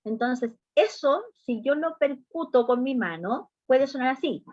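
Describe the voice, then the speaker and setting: A woman with a high voice teaches a music class, explaining each idea patiently and stopping often to ask whether her students are following. The sound is dry and close, with a dull, lo-fi tone. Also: animated, a little slow, darkish tone, no room sound. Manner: patient step-by-step explaining, often checking understanding with short questions. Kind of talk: online class lesson.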